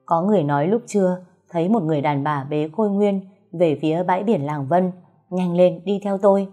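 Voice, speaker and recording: Woman doing a steady, protective young gentleman. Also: lowish voice, brisk, faint music behind, lightly acted. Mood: urgent. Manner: steady, soothing reassurance.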